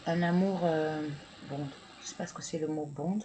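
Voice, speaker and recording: A woman's voice: low voice, fairly even intonation, moderate pace, background noise. A woman doing a casual card-reading video, hesitant and stammering as she thinks aloud. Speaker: tarot and oracle card reader.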